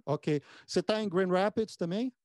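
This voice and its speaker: Mellow-voiced man interviewing, close and dry. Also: sits high, dry recording. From born in the United States. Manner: halting, repeats words as he goes. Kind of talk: casual conversational interview.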